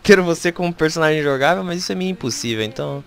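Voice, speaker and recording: A game streamer with a Brazilian Portuguese accent, excitedly commenting on gameplay during a live stream and talking straight to the game. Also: medium pitch, quick pace, creaky.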